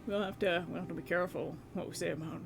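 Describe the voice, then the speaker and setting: A woman's voice: lowish voice, fairly even intonation, quick pace, vocal fry, soft background music. A woman streamer chatting casually in a laid-back, rambling way during a live stream. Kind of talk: casual livestream chat.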